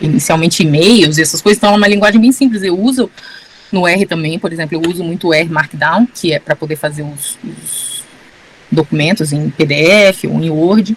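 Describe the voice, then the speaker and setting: A woman's fairly low voice carries ordinary pitch variation amid noticeable background noise. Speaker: lecturer teaching R. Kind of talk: online lecture. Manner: fast.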